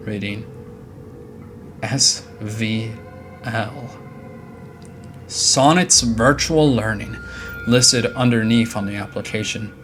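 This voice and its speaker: A man's voice: lowish voice, a bit bright. A man narrating a scripted horror story in a dramatic storytelling style. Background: faint music.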